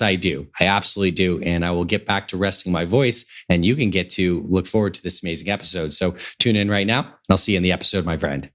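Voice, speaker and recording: Low-pitched, slightly raspy male podcast host. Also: a bit bright. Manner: effusive, informal. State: sniffly, vocally tired. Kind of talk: enthusiastic podcast hosting.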